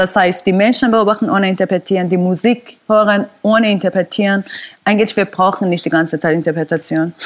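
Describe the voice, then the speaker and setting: In a Persian accent, a woman with a medium pitch talks at a fairly quick pace, her loudness very even and her intonation fairly even. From Iran (Tehran). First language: Persian (speaking German). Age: 30s. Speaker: orchestra musician. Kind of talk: casual interview chat. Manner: halting.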